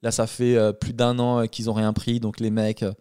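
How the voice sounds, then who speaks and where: A man's voice: fairly low pitch, monotone, normal speed, mellow, clear, resonant tone, no echo, clean studio sound. A man hosting a casual chat, talking in a blunt, slangy way. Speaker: podcast host.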